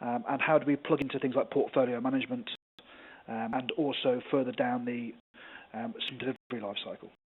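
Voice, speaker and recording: A man speaks with a British accent. His pace is fairly quick and his intonation fairly even. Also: medium pitch for a man. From UK. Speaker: enterprise architecture executive. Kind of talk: webinar presentation.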